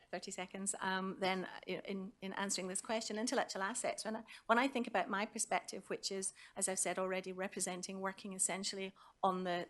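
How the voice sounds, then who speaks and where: A woman gives a semi-formal answer as a panelist. Her voice is of average pitch for a woman, and she sounds conversational, thinking aloud as she stresses key points. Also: fairly bright tone.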